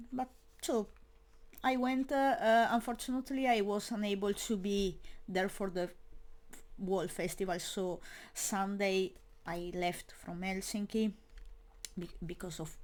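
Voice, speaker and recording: A woman's voice: mid-range voice, darkish tone. A young woman speaking English as a second language in a casual monologue, hesitant and full of fillers and restarts. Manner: non-native English speaker. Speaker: metal media creator.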